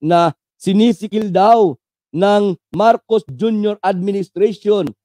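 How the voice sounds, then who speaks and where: A man's voice: sits high, takes it slowly, mellow, no echo. A man from the Philippines giving casual live political commentary, talking to viewers as friends with constant tag questions, sliding English phrases in, and a mocking, sarcastic edge. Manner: mixes English phrases into his talk.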